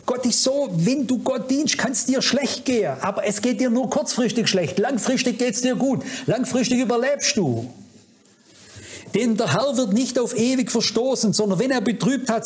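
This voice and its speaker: A man's voice: high voice, a little mellow, a little hiss or hum. A man preaching a sermon at a conference, fervent and admonishing, speaking straight to his listeners. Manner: fervent, admonishing, addresses audience directly. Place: conference hall.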